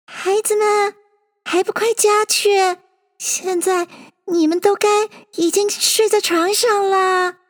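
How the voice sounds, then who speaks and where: A woman's voice: very high-pitched, steady tone, slow, voice pushed up. A woman voicing a nervous mother canary with a trembling voice in a storybook reading. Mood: anxious.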